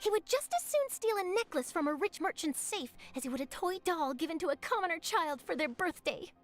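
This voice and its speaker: A woman playing an eager, chatty young newspaper reporter in a video game, telling things in an expressive, articulate way. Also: very high voice, brisk. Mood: keen storytelling. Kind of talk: animated video game dialogue, storytelling.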